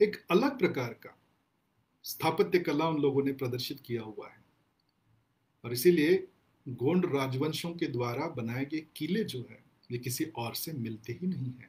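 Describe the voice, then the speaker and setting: The voice is somewhat breathy and moves at a fairly slow pace with long, frequent pauses. Its pitch varies in an ordinary way while loudness swings widely. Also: man, fairly high pitch for a man. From India, Gadchiroli district, Maharashtra; Maharashtra. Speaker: historian and lecturer; lecturer. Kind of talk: lecture. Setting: live online broadcast. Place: home room. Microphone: webcam.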